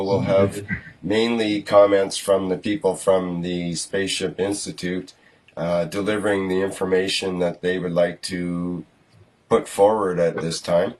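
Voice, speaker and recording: A man hosting an online workshop, talking slowly and haltingly with many fillers. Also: sits low, poor audio. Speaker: host.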